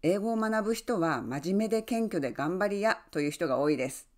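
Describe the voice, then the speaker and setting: A woman who works as an online English coach, giving friendly, encouraging advice and often adding soft tag words as she talks. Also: lowish voice, animated, fairly quick. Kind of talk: advice talk to camera.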